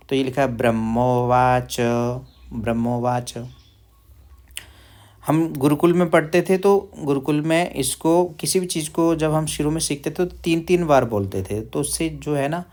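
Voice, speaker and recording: A man's voice: mid-range voice, a little mellow. A man teaching recitation step by step, drawing out syllables and repeating them as he asks questions. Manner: drills pronunciation, repeating syllables slowly and asking questions; chants verses in slow drawn-out syllables. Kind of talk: slow step-by-step recitation lesson.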